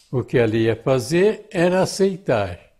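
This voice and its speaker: Quiet surrounds the speaker. The tone is dark and mellow. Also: man. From São Paulo state, Brazil. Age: 80s+. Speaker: spiritist elder; interviewee. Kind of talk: interview, life story. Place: home room. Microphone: lapel.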